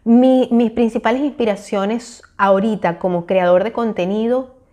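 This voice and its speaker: A woman's voice: a little high, fairly even intonation, moderate pace, warm tone. A woman, talking to camera on a lapel mic in a small room, earnest and encouraging with frequent hesitations. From Venezuela. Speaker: YouTuber. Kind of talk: casual talk to camera.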